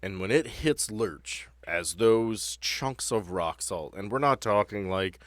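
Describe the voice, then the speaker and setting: A man's voice: lowish voice, lively intonation, slow pace, no echo. A man working as game master, narrating a tabletop game in a conversational, descriptive way with plenty of explanation.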